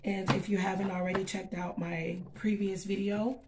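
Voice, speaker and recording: A woman with a scratchy voice giving a casual tarot reading, chatty and filling pauses with um and okay. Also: mid-range voice, level tone. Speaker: tarot reader.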